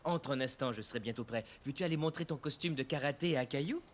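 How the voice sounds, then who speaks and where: A man's voice: mid-range voice, quick pace, a little hiss or hum, lightly acted. A man voicing a kindly, easygoing young father in a children's cartoon, patient and good-humoured.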